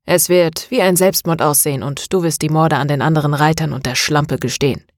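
A woman's voice: low-pitched, fairly even intonation, fairly quick, no echo, clean studio sound, lightly acted. A woman voicing a deranged captive man who hisses venomous threats, in an audiobook. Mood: threatening. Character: menacing deranged man, tied up, taunting.

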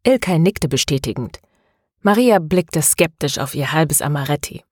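Low-voiced woman reading an audiobook. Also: animated, moderate pace, darkish tone, dry recording, studio quality. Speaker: audiobook narrator. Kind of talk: scripted narration.

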